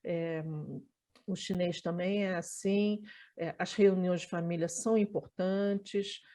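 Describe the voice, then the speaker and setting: A Brazilian woman in her forties telling her life story in an interview, thoughtful and halting, with many restarts. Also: lowish voice, fairly even intonation, warm tone. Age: 40s.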